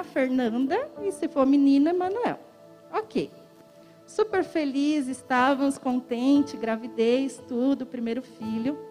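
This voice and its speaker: A woman's voice: high-pitched, darkish tone, long reverb tail. A woman giving a personal testimony in a church, emotional, often laughing and acting out the dialogue she retells.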